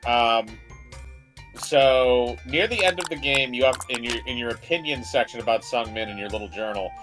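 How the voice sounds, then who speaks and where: A man co-hosting a game stream, casually explaining in a halting way which choices to make. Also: medium pitch. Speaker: gaming co-host guiding the player. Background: game music.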